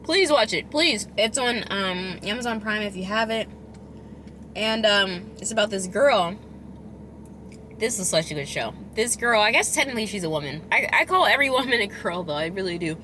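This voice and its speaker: A woman chatting casually as a food vlogger, chewing while she talks, rambling and expressive with emphatic delivery. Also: mid-range voice, normal speed, a little hiss or hum. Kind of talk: casual chatty eating vlog.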